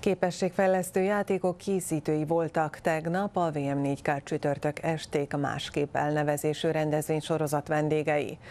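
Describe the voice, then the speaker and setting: A woman speaks at a fairly slow pace with hardly any pauses, her very deep, low pitch carrying a dark, mellow tone, her intonation fairly even and her loudness very even. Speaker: news anchor. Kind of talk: news reading. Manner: formal. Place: studio. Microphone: lapel.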